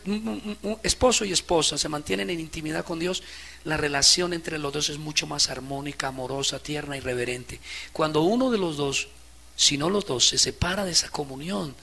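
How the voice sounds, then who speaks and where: A male pastor preaches with fervor, his fairly high voice carrying a gravelly edge. His tone is bright and sharp, and he swings from hushed, low asides to loud, impassioned peaks. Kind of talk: sermon.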